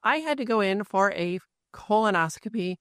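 A woman hosting a podcast, speaking earnestly in a steady, scripted personal monologue. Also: mid-range voice, normal speed, clean tone, no echo, studio quality. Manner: earnest, steady, with show plugs. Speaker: podcast host.

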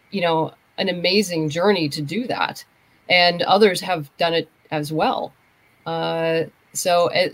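A woman speaking as a podcast guest, explaining things casually in a measured way. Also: fairly low pitch. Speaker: podcast guest, comics creator. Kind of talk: casual conversation about crowdfunding.

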